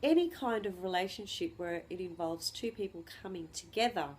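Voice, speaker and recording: A woman astrologer with the flu giving an unscripted lesson, clearing her throat and pausing often with ums and restarts. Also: on the low side, expressive, a little hiss or hum. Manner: hesitant, many ums and restarts.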